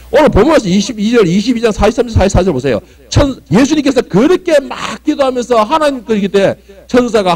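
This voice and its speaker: A male pastor preaching a sermon with great emphasis, swinging between loud cries and low murmurs and acting out prayers dramatically. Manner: acts out prayers and quoted voices dramatically. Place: church sanctuary.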